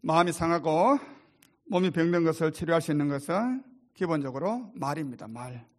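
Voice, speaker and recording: A male pastor preaching a sermon, swinging between loud exhortation and hushed, soft-spoken storytelling. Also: on the high side, fairly quick.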